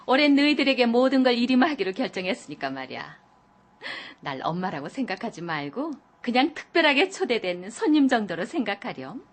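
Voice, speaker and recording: A woman's voice: a little high, big pitch swings, brisk, pitched above the performer's own voice. A woman voicing an indulgent upper-class mother in an audiobook, airy and light, set back from the mic.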